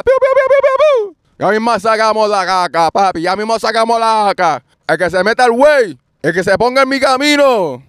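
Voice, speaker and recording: A man's voice: high voice, a bit bright, clean tone, no echo, clean studio sound. A man with a Puerto Rican Spanish accent hosting a podcast. He talks in a defiant, repetitive solo monologue and swears often. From Puerto Rico. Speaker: podcast host.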